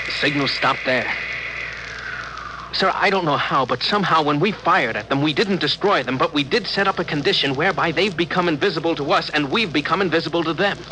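An actor playing an earnest, anxious communications officer on a starship in a 1950s radio drama. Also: male voice, fairly high pitch, fairly quick, noisy background, close to an everyday voice. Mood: explaining. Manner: earnest, pleading. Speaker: crewman.

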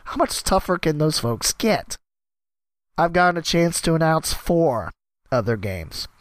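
A podcast host who is also a sports announcer rambles through a casual solo monologue, jumping between topics and joking at his own expense, his voice worn from a cough. His voice is on the high side, sing-song and unhurried, in a dry, studio-quality recording.

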